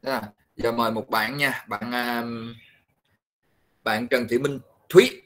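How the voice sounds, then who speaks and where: A man's voice: medium pitch, steady tone, rough recording. Patient male teacher. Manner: patient, pausing often to explain slowly. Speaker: English pronunciation teacher. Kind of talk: classroom instruction mixing Vietnamese and English.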